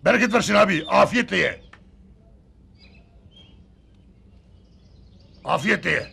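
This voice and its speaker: An actor playing a loud, pushy street watermelon vendor who bellows his cries and talks coarse and cheeky, outdoors in a sitcom. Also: high-pitched, animated, fast, vocal fry, husky, heavily acted. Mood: fawning. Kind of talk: sitcom acting. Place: outdoors in a holiday housing estate.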